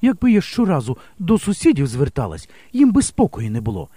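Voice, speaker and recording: A man voicing a brave, resolute young woman, a village teacher who speaks in a bright, brisk and reassuring way in an audiobook. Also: fairly high pitch, wildly swooping pitch, slightly rough, no room sound, pitched above the performer's own voice, heavily acted. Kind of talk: audiobook character voice.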